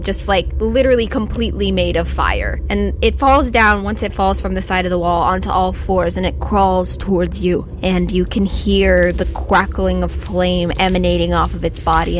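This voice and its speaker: A woman's voice: medium pitch, slight background noise. A woman game master narrating a tabletop game off the cuff, conversational and often rephrasing as she describes the scene. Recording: music behind the voice.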